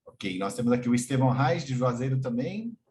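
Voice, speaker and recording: Over a video call with a slight hiss or hum, a man with a Brazilian Portuguese accent introduces each guest in turn as the session's host and moderator. His medium-pitched voice is very animated, brisk and a little mellow.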